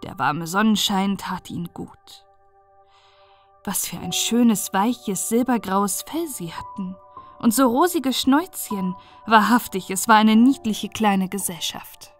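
A woman reading a fairy tale as an audiobook narrator, in an expressive, deliberate storytelling manner. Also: medium pitch, soft background music.

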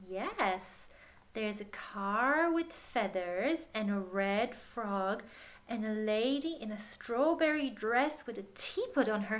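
A woman narrates a children's story at an unhurried, slow pace in a mid-pitched voice. She is expressive and deliberate, softening phrase endings and addressing young listeners directly.

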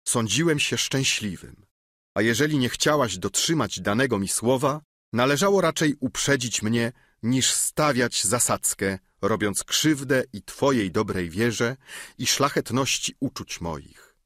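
A man voicing a smooth-talking young nobleman, speaking his lines in an earnest, pleading way for an audiobook. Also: medium pitch, animated, unhurried, fairly bright tone, no room sound, studio quality. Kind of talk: audiobook character reading.

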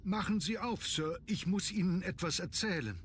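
An actor playing an anxious, deferential manor butler in a video game, formal and agitated. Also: male voice, high voice, normal speed, a little hiss or hum, lightly acted. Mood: agitated, distressed. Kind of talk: German video game voice acting.

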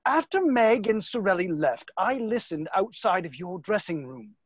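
Actor as earnest young suitor, husky and expressive. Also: male voice, high voice, moderate pace, no echo, heavily acted. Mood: jealous. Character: earnest, jealous young viscount suitor, skeptical and protective. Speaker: actor in a virtual staged reading. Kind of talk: dramatic stage play reading. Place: indoor room, video call. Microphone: video call microphone.

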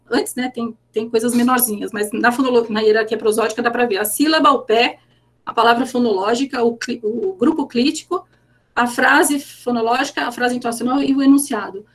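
A young Brazilian Portuguese-accented woman giving an academic conference presentation over a video call, explaining her work step by step and often stopping to repeat words as she thinks. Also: a little high.

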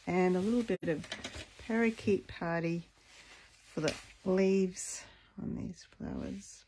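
A woman with a deep, husky voice hosting a casual stamping tutorial, chatting and thinking aloud as she crafts. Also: darkish tone, slight background noise. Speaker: craft video host.

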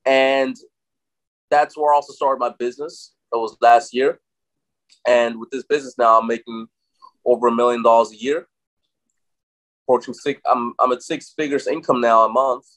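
A man's voice: medium pitch, normal speed, long pauses, low-quality recording. A young man who grew up in Austria, speaking with an American accent, talking confidently as a guest on a video call interview. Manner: energetic, confident, says bro a lot. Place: bright room with large windows.

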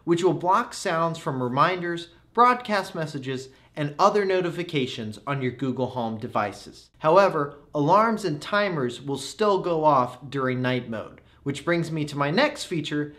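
A young man in his twenties narrating a scripted tech review with a clear, instructional delivery. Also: fairly high pitch, a bit bright. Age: 20s. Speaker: tech reviewer, video host.

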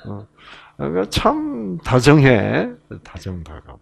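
A man's voice: mid-range voice, wildly swooping pitch, slow pace. A middle-aged man with a Gyeongsang Korean accent, giving a Bible lecture in a chatty storytelling way with many fillers and asides. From Gyeongsang province, Korea. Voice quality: gravelly and husky. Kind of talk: relaxed anecdotal Bible lecture.

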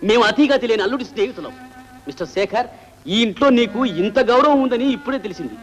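An actor playing an insulted friend of the son-in-law, speaking sarcastically in an old film drama. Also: male voice, extremely high pitch, animated, quick pace, a bit bright, soft background music. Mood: sarcastic. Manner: sarcastic, mocking.

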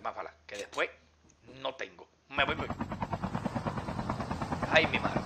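A man giving excited, exclamatory commentary over his mobile game, talking to viewers and to enemies as he plays. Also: mid-range voice, noisy background. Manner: exclamatory, talks to viewers and enemies while playing.

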